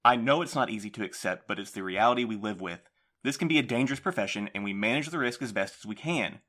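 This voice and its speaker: A defensive, guarded postmaster, voiced by a man in an audio drama. He speaks in a low, measured voice and tries to placate the people questioning him. His delivery stays calm and careful. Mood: placating.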